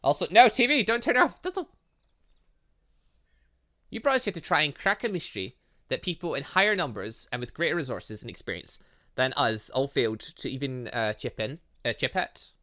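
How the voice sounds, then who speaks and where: A man giving animated let's play commentary on a video game, reading dialogue aloud and adding sarcastic asides. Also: mid-range voice, normal speed. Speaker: gaming channel host.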